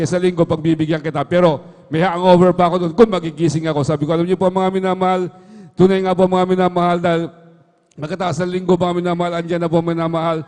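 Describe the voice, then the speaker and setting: Man, church testimony, high flat voice, quick, earnest, long hall reverb. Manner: earnest, repeats a fond address to the listeners after nearly every phrase. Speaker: church member giving testimony. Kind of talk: testimony at worship service.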